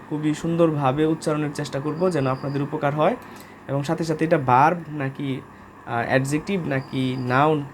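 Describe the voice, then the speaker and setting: A man's voice: fairly high pitch, noisy background. A man with a Bangladeshi accent giving a casual vocabulary lesson, talking informally with frequent filler sounds and spelling words out letter by letter. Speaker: English vocabulary teacher.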